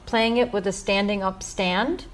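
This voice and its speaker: A woman's voice: medium pitch, fairly even intonation, a little slow. Chatty American woman telling a story. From United States. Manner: chatty, storytelling, laughs at herself. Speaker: professional mandolin player, guest. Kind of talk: casual interview chat.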